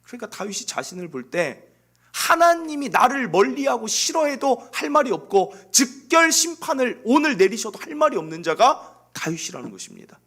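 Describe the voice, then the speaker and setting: A man preaching a sermon as pastor from a church pulpit, earnest and confessional, swinging from loud emphasis down to hushed, near-whispered lines. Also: extremely high pitch, very animated, moderate pace.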